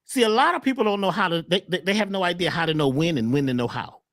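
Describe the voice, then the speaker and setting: A man talking as a wellness coach on a talk show, emphatic and repetitive, often jumping high on key words. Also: expressive, fast talker, a bit bright, no room sound, clean studio sound. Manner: emphatic, repeats phrases, swoops up on key words. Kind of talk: animated talk-show conversation.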